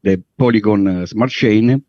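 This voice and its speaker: A man's voice: on the low side, measured pace, mellow, dry recording. Hesitant man with an Italian accent. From Italy. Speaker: call participant. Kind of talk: casual video call. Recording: dry, muffled online call audio.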